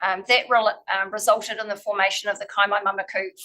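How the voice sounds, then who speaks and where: A woman speaks very fast with a New Zealand accent. Her pitch is medium and her intonation fairly even. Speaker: trust chief executive presenting to council. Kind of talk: formal presentation. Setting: council meeting room, live streamed. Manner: hesitant, many ums.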